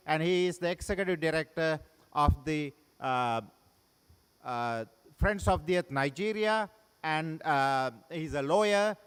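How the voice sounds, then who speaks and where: A middle-aged man from Sri Lanka, moderating a panel and giving opening remarks in a halting way that repeats and restarts phrases. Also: a little high, clean tone. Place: large conference hall. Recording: long reverb of a conference hall.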